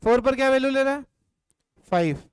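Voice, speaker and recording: High-voiced man teaching a class. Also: lively intonation, brisk, smooth, dry recording. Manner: asks the class questions and prompts answers; drills points with call-and-response. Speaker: economics teacher. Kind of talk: live class lecture. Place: classroom or home studio.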